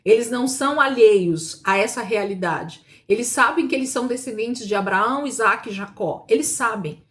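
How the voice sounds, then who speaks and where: A woman teaching a Bible class in a conversational, emphatic way, asking rhetorical questions and slowing down to stress her points. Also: on the high side.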